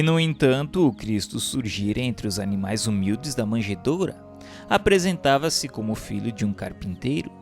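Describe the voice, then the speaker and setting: A Brazilian man reads scripted religious narration in a solemn, declamatory way. His voice sits at an ordinary male pitch and has a gravelly creak, with music playing behind it.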